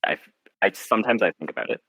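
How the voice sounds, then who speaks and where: Bright, low-voiced man, wry and self-deprecating. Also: sing-song, gravelly, slightly rough, dry recording. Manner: self-deprecating, wry, halting with quoted asides. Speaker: author being interviewed. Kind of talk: casual interview chat.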